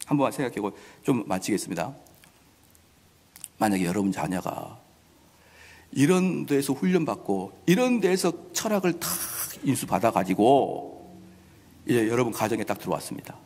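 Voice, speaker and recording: A man preaching a sermon as pastor, animated, acting out family quarrels. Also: medium pitch, moderate pace, long pauses. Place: church sanctuary. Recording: long church hall reverb.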